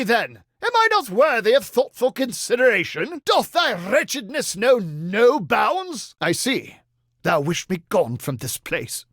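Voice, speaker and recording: An actor playing a theatrical, fawning and easily offended medieval knight for a video game, speaking mock-archaic English. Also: male voice, extremely high pitch, fairly bright tone, dry recording, clean studio sound, full character voice. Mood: indignant, outraged, then wounded, huffy. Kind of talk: video game character voice lines.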